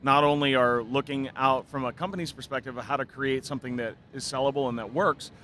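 A man in his thirties talks earnestly into a close desk mic, his voice bright and forward. He lays out his answers in a measured, thoughtful way. Faint trade-show chatter hums behind him. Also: mid-range voice, fairly even intonation, a little hiss or hum. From Spokane, Washington, United States. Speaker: hairdresser and product developer, guest. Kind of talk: casual interview. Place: booth at a busy trade show hall. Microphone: desk mic on a stand, close.

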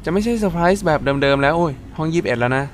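A man commenting on a video game in Thai, explaining the story patiently and breaking into excited shouts during play. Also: on the high side, very fast, slight background noise.

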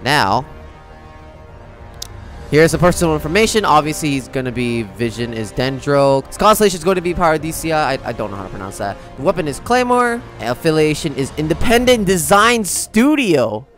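A man's voice: fairly high pitch, big pitch swings, a little fast, fairly bright tone, faint music behind. A young man hosting a gaming reaction video, chatting casually in an informal, slangy way. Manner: informal, slangy, easily amused.

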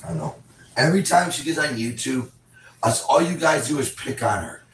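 A man's voice: fairly high pitch, animated, moderate pace. A man sitting on a hotel bed, protective of his partner, rambling and repeating himself to the viewers. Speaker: partner on the stream. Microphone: camera mic from across the room. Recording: roomy, distant, faint noise.

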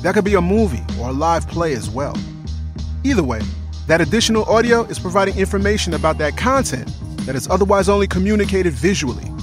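Podcast host over a music bed. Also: male voice, high voice, animated, fast talker. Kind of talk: scripted podcast narration.

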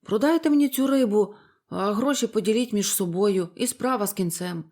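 A woman's voice: mid-range voice, a little fast, a little mellow, natural voice. A woman voicing a kind young male hero in a storybook, earnest and firm.

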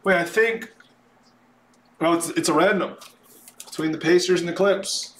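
A man hosting a live sports card break, announcing names in an excitable, drawn-out way, his voice starting to wear. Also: sits high. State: voice starting to give out. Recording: roomy echo, background noise.

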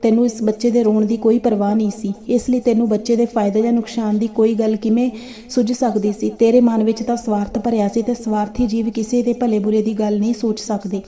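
A woman voicing a calm, wise male holy man who lectures sternly as he judges a dispute. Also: on the high side, a little fast, natural voice. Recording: dull lo-fi recording.

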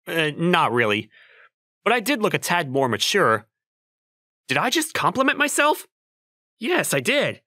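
A man's voice: high voice, huge pitch swings, measured pace, long pauses, bright, forceful tone, no room sound, studio quality, heavily acted. A young man playing an awkward, self-doubting single guy in a manga dub, with a wry, self-questioning manner. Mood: wry narrating. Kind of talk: manga dub acting and narration. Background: music.

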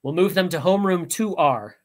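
Brief: a worn-out, placating school principal in a storybook, low and weary, as a woman reads him. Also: lively intonation, fairly quick, lightly acted. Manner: weary, apologetic.

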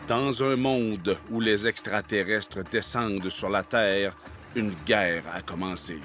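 A man's voice: fairly low pitch, slow pace, a bit bright, faint music behind, pitched below the performer's own voice. A man voicing an ominous, dramatic announcer for a science-fiction film trailer. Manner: dramatic, portentous.

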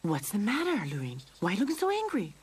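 Storybook lady cat owner, played by a woman: kindly, earnest, raised pitch. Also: huge pitch swings, fast, slightly rough, heavily acted. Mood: concerned.

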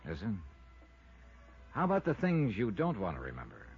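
An American actor playing a tough, wry, skeptical insurance investigator with clipped delivery in 1950s radio style. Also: male voice, on the low side, huge pitch swings, normal speed. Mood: skeptical, pressing. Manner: clipped, hardboiled, pointed. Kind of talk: 1950s radio detective acting. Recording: dull vintage radio recording, faint music.

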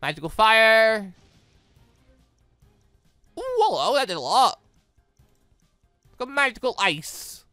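A British gamer giving excitable, rambling let's play commentary and often breaking off mid-thought. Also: mid-range voice, slow, pauses often, clear, resonant tone, no room sound. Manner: excitable, rambling, self-interrupting. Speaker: gaming video host. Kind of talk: let's play commentary, reading dialogue aloud. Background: game music.

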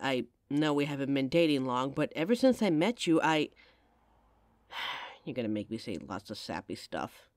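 A woman plays a devoted young girlfriend in an audio roleplay, frank and caring, speaking right to the listener. Her pitch rises and falls a lot as she talks. The sound is dry and close-miked. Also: big pitch swings, moderate pace, darkish tone, dry recording. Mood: tender, reassuring. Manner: speaks straight to the listener, intimate and emotional.

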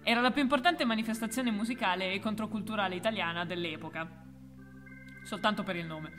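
A woman co-hosting a music history video, delivering a scripted explainer with deadpan, ironic asides. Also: medium pitch, fairly quick, big-room sound. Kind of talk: scripted explainer with playful banter.

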